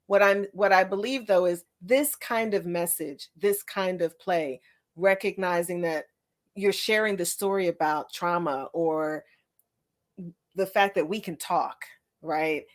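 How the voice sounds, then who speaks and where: A woman's voice: fairly low pitch, unhurried. Encouraging American woman hosting an interview. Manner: affirming, encouraging. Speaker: podcast host and interviewer. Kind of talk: conversational interviewing.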